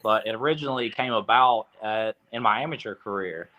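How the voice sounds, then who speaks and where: A young man from Tennessee, a boxer, answering interview questions in a relaxed way with lots of fillers. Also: fairly low pitch, brisk, muffled recording. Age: young adult. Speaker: boxer, guest.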